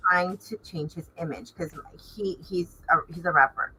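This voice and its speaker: A woman's voice: lowish voice, moderate pace, crowd noise, low-quality recording. A woman chatting casually as a fashion designer in an interview, stressing words emphatically. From Los Angeles area, United States.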